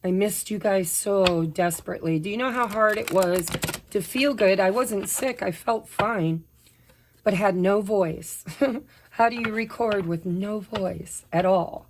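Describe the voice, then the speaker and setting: A woman, slightly hoarse while her voice recovers, chatting casually and apologetically through a pick-a-pile tarot reading. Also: medium pitch, measured pace, background noise. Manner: chatty, apologetic, tells personal updates while shuffling. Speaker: tarot reader.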